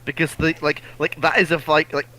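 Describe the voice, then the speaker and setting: A man's voice: a little high, level tone, a little fast, pushed and bright, poor audio. A man co-hosting a casual history discussion, reading out and answering viewer questions, often repeating words and restarting phrases.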